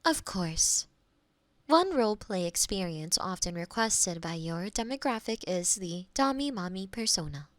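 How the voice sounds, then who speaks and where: Woman playing a slow, measured AI girlfriend companion. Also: fairly low pitch, expressive, no echo. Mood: polite, helpful. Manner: formal, measured, robotically helpful. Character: polite female AI girlfriend companion, literal, eager to please. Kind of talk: scripted roleplay audio, ASMR. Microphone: close binaural microphone.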